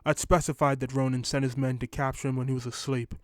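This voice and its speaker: Male narrator, first-person short story, steady even delivery, mid pitch, dry close mic. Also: quick pace, no echo.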